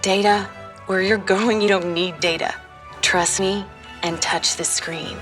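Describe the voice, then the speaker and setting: A woman's voice: medium pitch, fairly even intonation, a little slow, over music, natural voice. A woman voice actor playing a girl's confident, urgent future self in a fiction podcast. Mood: urgent, assured.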